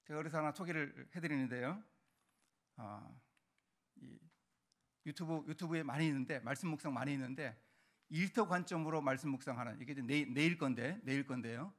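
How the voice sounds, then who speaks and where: A middle-aged male pastor preaching a sermon to his congregation, animated and emphatic, sometimes shouting for emphasis. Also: on the high side, a little fast. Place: church sanctuary.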